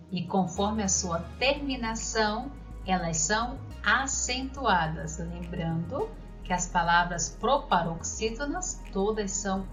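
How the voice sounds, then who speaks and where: Over faint music and dull, lo-fi audio, a woman with a mid-range, fairly bright voice gives children a grammar lesson. She reads out example words, spelling them slowly and deliberately, and asks questions along the way.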